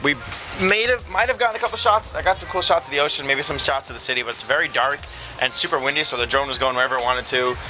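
A man talks at a very fast pace. Clear music can be heard behind him. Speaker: vlogger. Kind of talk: casual vlog chat. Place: home room. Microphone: phone near.

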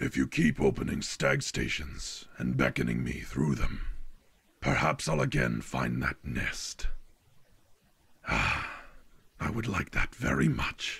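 A man's put-on character voice, very deep and low, fairly slow, with long, frequent pauses. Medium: machinima. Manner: wistful, then disdainful.

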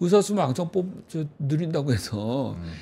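Delivered at a moderate pace with lively intonation, this is a plain, everyday voice. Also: man. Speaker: medical school professor. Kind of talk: interview discussion. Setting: studio.

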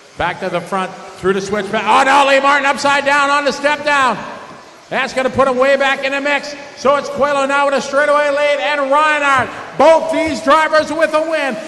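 A man projects a raised voice at a moderate pace with ordinary pitch variation. Audible room echo surrounds him. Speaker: race commentator. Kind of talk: sports commentary. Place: hall.

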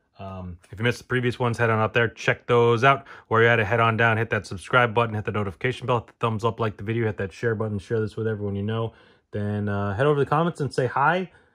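A man talking at a very fast pace, ordinary pitch variation, quiet background. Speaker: card collector vlogger. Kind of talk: casual vlog chat.

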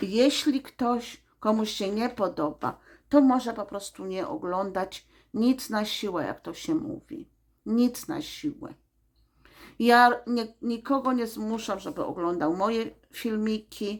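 A woman at a very slow pace on a very clean recording with a silent background. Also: fairly high pitch for a woman, lively intonation. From Poland. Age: 50s. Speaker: vlogger. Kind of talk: casual monologue. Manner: halting.

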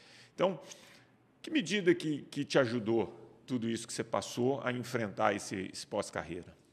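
At a moderate pace, a man speaks with very wide pitch swings and big swings in loudness. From Brazil. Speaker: radio and video host on wellness; radio, video host on wellness. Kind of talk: interview. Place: studio. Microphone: studio mic.

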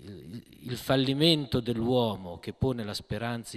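The setting is quiet. A man's pitch varies in an ordinary way as he speaks. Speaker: priest and church history professor; speaker. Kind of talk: lecture. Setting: stage with audience. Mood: serious, reflective. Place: hall. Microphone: podium.

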